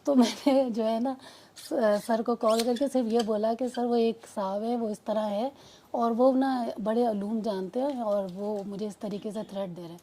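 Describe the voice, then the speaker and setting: This adult woman, a mother of two, speaks in a mellow, steady, higher-pitched voice over a slight background hiss or hum. Her testimony is heartfelt but wandering, full of false starts and lines of quoted speech.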